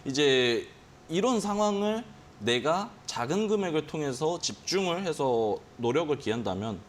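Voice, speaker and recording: A man's voice: a little high, animated, normal speed, a little hiss or hum. A man teaching day trading on a finance show, explaining at length and acting out his own gut reactions with quoted exclamations. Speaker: stock trading instructor. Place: broadcast studio.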